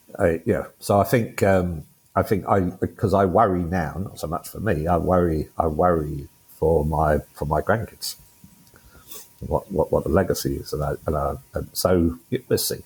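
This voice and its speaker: A man with a South London accent speaks with a very deep, low pitch, somewhat breathy, with ordinary pitch variation. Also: moderate pace. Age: 60s. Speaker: retired business executive. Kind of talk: podcast interview. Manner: halting, many repeated words.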